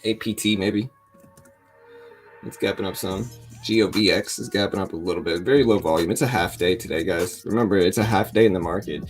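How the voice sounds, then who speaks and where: A middle-aged man with a raspy morning voice, chatting casually as a livestream host in a joking, self-deprecating, rambling way. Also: brisk, soft background music. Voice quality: deep morning voice. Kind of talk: casual live trading commentary to chat.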